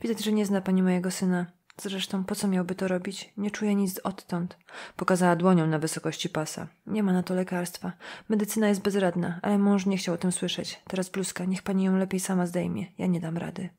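A woman reading a weary older farm wife and guilt-ridden mother, speaking in a hushed, pleading, sad way. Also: lowish voice, level tone, brisk, slightly rough.

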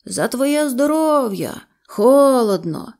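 A woman's voice: mid-range voice, normal speed, a little mellow, close to an everyday voice. A woman voicing a tipsy, clumsy middle-aged male hunting buddy who blusters and slurs, in a storybook reading. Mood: panicked.

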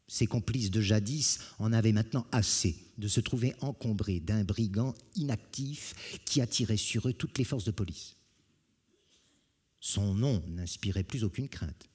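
A man giving an expressive live literary reading in a large auditorium, moving theatrically between hushed and loud passages. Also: on the low side, breathy edge. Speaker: reader.

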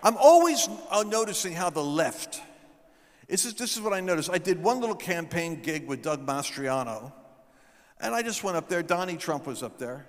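A middle-aged man telling stories from a stage, preaching into a handheld mic and building up to shouted proclamations. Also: on the high side, sing-song, normal speed. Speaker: guest speaker. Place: large event hall stage. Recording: long hall reverb.

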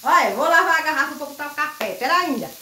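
A woman vlogging casually while she cooks at the stove at home, loud and chatty, laughing often. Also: sits high, lively intonation, fast, noisy background. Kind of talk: casual chat while cooking. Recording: echoey kitchen, mic set far off.

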